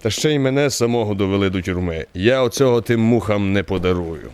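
A man's voice: lowish voice, fairly quick, darkish tone, a little hiss or hum, lightly acted. Man as an aggrieved, grumbling innkeeper. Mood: aggrieved, menacing. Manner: tragic, threatening grumble. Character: indignant, aggrieved innkeeper grumbling about his arrest. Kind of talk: radio drama acting.

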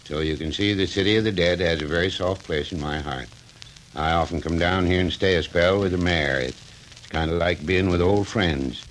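An actor playing a kindly, folksy old country doctor in a 1940s radio drama, with a gentle, reminiscing manner. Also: male voice, low voice, normal speed, close to an everyday voice, poor audio. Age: older. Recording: old radio recording with faint hiss.

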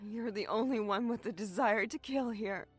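A woman playing a frightened yet defiant captive in an audio drama, her voice husky and breathy. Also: on the high side, normal speed, no echo, faint music behind.

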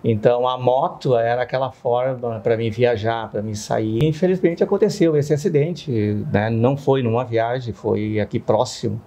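A man's voice: mid-range voice, normal speed, few pauses, mellow. A man, sharing personal experience conversationally and often adding tag questions for agreement. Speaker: interview guest.

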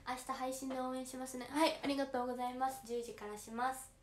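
A woman's voice: sits high, flat delivery, fast. A teenage girl with a Kansai accent chatting on a livestream, reading viewer comments aloud and politely answering them. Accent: Kansai Japanese. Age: late teens. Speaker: idol audition candidate livestreaming to fans. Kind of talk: casual livestream chat. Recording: roomy, faint background noise.

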